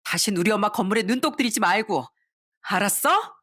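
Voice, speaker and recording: A woman voicing her own younger self as a furious wife, shouting sharply at her in-laws in a storybook drama. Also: mid-range voice, expressive, brisk, breathy edge.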